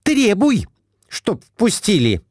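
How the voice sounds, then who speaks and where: A shrill, bossy middle-aged wife nags in a high, swooping voice, as a male reader puts her on. She peppers her scolding with broken French, and the sound is dry and close, like a storybook recording. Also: wildly swooping pitch, slow pace, darkish tone, no room sound, exaggerated voice.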